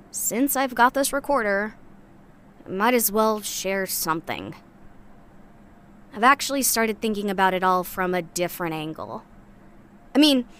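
A young female scrap scavenger played by a woman speaks in a fairly high voice. She is blunt, guarded and cynical, with a dry sarcastic edge, as if logging a confession in a sci-fi audio drama. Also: fairly bright tone. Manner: sardonic, blunt, casual, swearing. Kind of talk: audio drama monologue, naturalistic.

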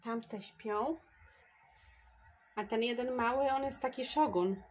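A woman's voice: a little high, takes it slowly, slight background noise. A woman vlogger chatting casually to her viewers, thinking aloud as she unpacks groceries in a home kitchen.

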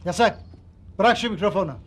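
A grumpy, scolding holiday-home owner. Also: male voice, sits high, brisk, slightly rough. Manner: scolding, grumbling. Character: irritable middle-aged male holiday-home owner, a father. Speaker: annoyed estate resident. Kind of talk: sitcom acting.

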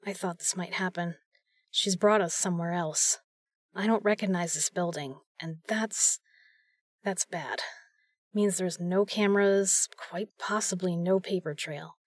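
A woman's voice: fairly low pitch, fairly even intonation, unhurried, no room sound, studio quality. A woman playing a tough, protective secret agent in an audio drama, speaking in a blunt, matter-of-fact way. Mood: grim, wary.

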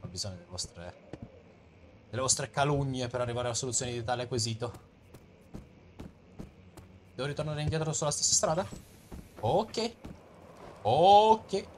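A man's voice: mid-range voice, a little fast, long pauses, a little hiss or hum. Italian man playing a horror game, jokey. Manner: jokey, reads game texts aloud in a lively dramatic voice. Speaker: let's play gamer.

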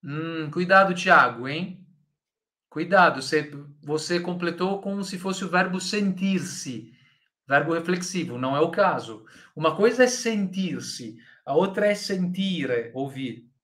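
A man with a Brazilian Portuguese accent leads a live Italian lesson at an unhurried pace. His voice sits a little high, and he patiently corrects students by name. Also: animated, pushed and bright. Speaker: Italian teacher. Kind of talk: live online language lesson.

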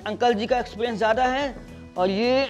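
A man's voice: very high-pitched, fairly quick, faint music behind. A young man chatting casually while he reviews and demonstrates a hand-press juicer in a small studio, speaking into a lapel mic. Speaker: product reviewer. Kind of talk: casual product review vlog. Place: small indoor studio set with striped backdrop.

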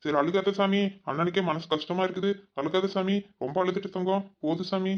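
A man's high-pitched, natural voice, brisk and fairly even in intonation, voices a protective village brother in a cartoon. Fussing and soothing, he keeps repeating endearments, and the lo-fi recording sounds dull.

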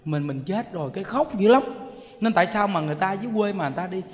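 A man's voice: high voice, animated, very fast. A Buddhist monk with a Southern Vietnamese accent gives an emotive sermon in a storytelling way, often speaking straight to his listeners. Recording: long hall reverb.

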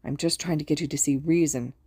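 Woman playing a low, resigned, guilt-ridden man. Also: steady tone, dark tone, slightly rough, no echo, clean studio sound. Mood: measured. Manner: slow, subdued, resigned. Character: guilt-ridden, self-loathing, dangerous old man.

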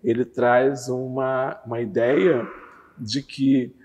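A man in his fifties, a guest on a TV interview, calmly explaining a religious doctrine with lively hand gestures, on a lapel mic in a curtained studio. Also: mid-range voice, takes it slowly, long reverb tail, slight background noise. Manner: animated, gestures with both hands while talking. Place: TV studio with red curtain backdrop.

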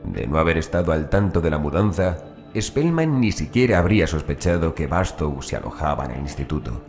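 A man reading a horror audiobook as narrator in a measured, phrase-by-phrase manner. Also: rumbling low, sing-song, darkish tone, soft background music.

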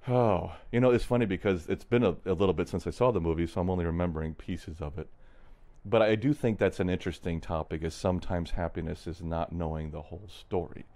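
A man's voice: low-pitched, dark tone. A man hosting a solo podcast, thinking aloud in a reflective, unscripted way with frequent restarts. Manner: thoughtful, musing, frequent restarts, chuckles. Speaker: podcast host. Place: traveling in an RV.

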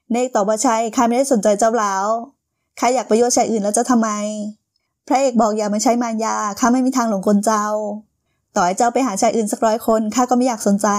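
Fast-talking woman narrating a drama recap. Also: fairly high pitch. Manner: brisk, even storytelling with quoted dialogue read in the same voice.

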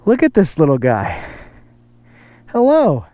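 A motovlogger chatting casually while riding, with a relaxed, rambling way of talking full of fillers, recorded outdoors on a helmet microphone. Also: mid-range voice, takes it slowly, dry recording. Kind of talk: casual riding vlog chat. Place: outdoors, riding a motorcycle on a road. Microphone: helmet-mounted microphone. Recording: road and engine noise behind.

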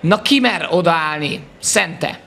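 Excited high-pitched male sports commentator. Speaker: futsal match commentator. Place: indoor sports hall. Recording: clearly noisy sports hall ambience. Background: sports hall noise.

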